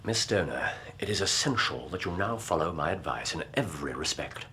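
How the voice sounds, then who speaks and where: An actor playing a sharp, commanding middle-aged detective in a radio drama, precise and clipped. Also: male voice, low voice, lively intonation, brisk, slight background noise.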